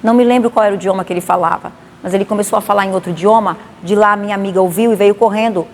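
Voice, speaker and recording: A woman pastor with a Bahian accent, giving a lively spoken testimony and acting out the dialogue. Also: mid-range voice, very fast. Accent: Bahian Portuguese. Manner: animated, acts out dialogue. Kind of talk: testimony storytelling. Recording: long reverb, faint noise.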